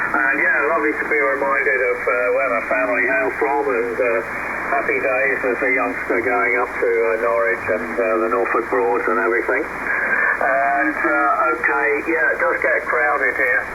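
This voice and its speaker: There is noticeable background noise and audible room echo. A man with an English accent speaks at a moderate pace and very even loudness. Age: 60s. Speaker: ham radio operator. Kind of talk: amateur radio contact. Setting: radio transmission.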